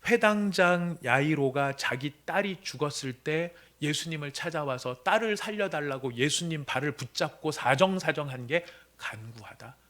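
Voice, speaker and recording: Male senior pastor, sermon, bright tone, dramatic swings from hush to shouting. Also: a little high, expressive, moderate pace, hardly any pauses. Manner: dramatic, swings from hushed whispers to loud outbursts when voicing the son. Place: church sanctuary.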